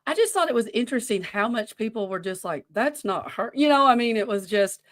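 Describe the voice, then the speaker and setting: A woman's voice: fairly high pitch, animated, a little fast. A woman in her forties, co-hosting a podcast in a casual, rambling way and easily drifting off on tangents. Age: 40s. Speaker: podcast co-host running a wrestling quiz. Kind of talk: casual chat.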